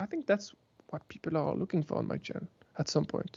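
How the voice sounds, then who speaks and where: The speaker has a strong French accent. The pace is moderate. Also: man. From France. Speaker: YouTube cooking creator. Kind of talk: casual interview chat. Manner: halting, many restarts.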